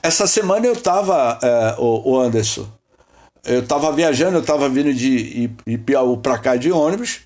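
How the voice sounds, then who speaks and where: Leading a spiritist study session as host, this man from Salvador, Bahia, Brazil teaches informally, rambling and repeating himself. He asks rhetorical questions and addresses people by name in an expressive, medium-pitched, darkish voice at normal speed.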